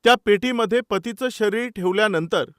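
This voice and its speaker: A man's voice: high-pitched, normal speed, fairly bright tone, no room sound, clean studio sound. A man preaching a sermon with stories. He is emphatic, asks his listeners rhetorical questions and acts out the dialogue. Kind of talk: sermon with storytelling.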